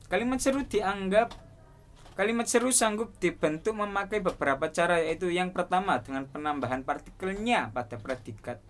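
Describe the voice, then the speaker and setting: A man's voice: high voice, a little hiss or hum. Young man reading out a class presentation. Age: young adult. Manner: steady, explanatory listing of points. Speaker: student presenter.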